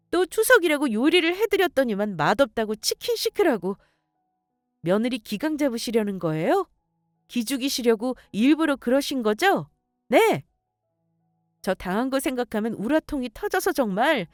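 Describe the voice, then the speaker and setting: A woman's voice: fairly high pitch, no echo, studio quality. A young adult woman narrating a first-person story and scolding sharply.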